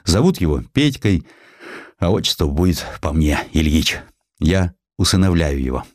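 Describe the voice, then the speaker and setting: A man's voice: extremely low pitch, expressive, moderate pace, darkish tone, dry recording, clean studio sound. A man voicing an earnest, stubborn young medical student in audiobook dialogue, speaking in a declamatory way. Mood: firm, earnest.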